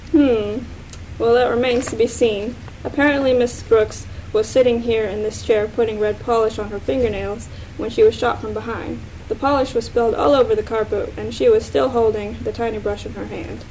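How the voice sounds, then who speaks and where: A woman's voice: fairly high pitch, steady tone, normal speed, darkish tone, close to an everyday voice, rough recording. A woman playing a composed, probing police inspector in an amateur radio-style mystery. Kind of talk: amateur radio-play acting. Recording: faint background noise.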